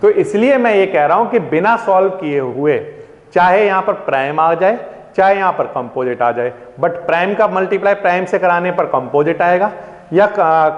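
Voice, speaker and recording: Man teaching maths in an echoey room. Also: high-pitched. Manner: asks pupils questions and answers them himself; mixes in English words. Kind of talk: classroom maths lesson. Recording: dull echoey classroom recording.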